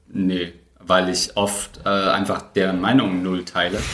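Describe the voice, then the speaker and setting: A man's flat, monotone delivery comes through with noticeable noise in the background. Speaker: podcast host. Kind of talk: casual chat.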